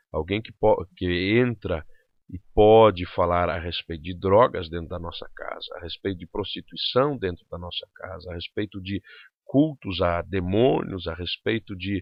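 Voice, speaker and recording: The voice moves at a fairly slow pace with ordinary pitch variation and big swings in loudness. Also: man, very deep, low pitch for a man. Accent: German. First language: German (speaking Portuguese). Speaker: pastor. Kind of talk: lecture.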